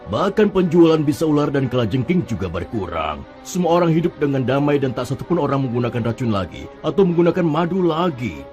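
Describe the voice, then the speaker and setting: A man's voice: mid-range voice, big pitch swings, fairly quick, few pauses, a little mellow, soft background music, lightly acted. A man voicing a stern male tribal elder in a dubbed cartoon.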